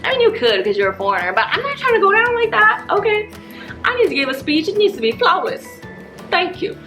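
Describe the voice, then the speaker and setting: A woman vlogger who is a native English speaker, telling stories casually in an animated, slangy way and acting out dialogue. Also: very high voice, a little fast, soft background music. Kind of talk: casual chat to camera, storytelling.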